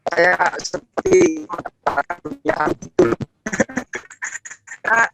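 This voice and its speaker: A man talks slowly on a video call in a high, gravelly voice that swings up and down. His audio is choppy, cutting out and sounding far from the phone. Music plays clearly behind him. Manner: walking around while talking. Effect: choppy, cutting-out internet call audio. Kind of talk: casual sharing in an online meeting.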